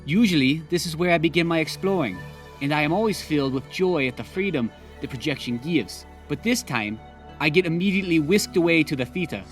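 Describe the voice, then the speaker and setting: Singaporean man, 30s, slightly higher voice, measured storyteller, soft music under him. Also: expressive. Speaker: guest storyteller. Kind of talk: recounting a personal experience.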